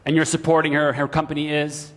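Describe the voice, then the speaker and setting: Lively male moderator in a big hall. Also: fairly high pitch. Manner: animated storyteller, quick asides. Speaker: panel moderator. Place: large conference hall stage with audience. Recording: long hall reverb, audience murmur.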